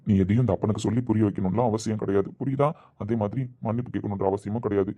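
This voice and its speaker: Fast, warm-toned man in drama dialogue. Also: on the low side, steady tone, lo-fi sound. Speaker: actor in a family drama.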